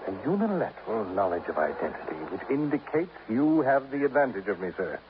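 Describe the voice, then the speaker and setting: A man's voice: medium pitch, very animated, a little fast, lightly acted. A man playing a grandiloquent eccentric who lectures squirrels in florid, theatrical speech, in 1950s radio drama style on an old recording. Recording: dull old radio transcription, faint hiss.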